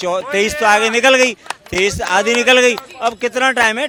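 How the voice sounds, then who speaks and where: A man's raised, projected voice, high in pitch, at a moderate pace over noticeable background noise. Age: 60s. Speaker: lawyer, street interviewee. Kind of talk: street interview, political opinion.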